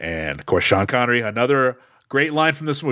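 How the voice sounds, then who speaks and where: A man speaks at medium pitch with an animated, bright and sharp tone, swinging very widely in pitch with vocal fry. The sound is dry and close, with no echo. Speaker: podcast host. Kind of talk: casual comedic chat. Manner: joking, animated.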